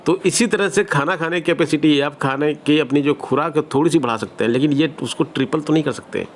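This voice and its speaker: A man with a Hindi accent teaches exam preparation online, giving students direct, conversational advice illustrated with everyday examples. His voice is a little high and he speaks fast.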